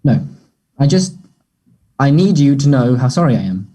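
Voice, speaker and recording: A man playing an awkward, earnest young gay man who is apologetic and unsure, speaking haltingly in a play table read. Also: mid-range voice, very animated, mellow, husky. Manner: hesitant, halting.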